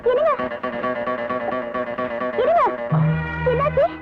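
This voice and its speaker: Worried young village girl in love, very high voice, tinny old movie sound with music behind. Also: takes it slowly. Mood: pleading. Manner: pleading, emotional. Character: young poor village woman, anxious devoted lover. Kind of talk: 1990s film drama dialogue.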